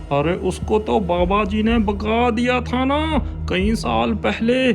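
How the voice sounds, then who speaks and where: A man voicing a frantic, pleading villager in a cartoon story, urgent and high-strung. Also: gravelly, heavily acted. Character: frantic village men, a pleading father and village headman.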